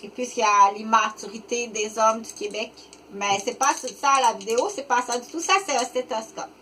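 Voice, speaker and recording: A woman in her fifties with a Québécois French accent, talking unscripted to the camera in a rambling, halting way, full of fillers and restarts. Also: fairly high pitch, steady tone, bright, forceful tone, slight background noise. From Quebec, Canada. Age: 50s. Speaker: vlogger.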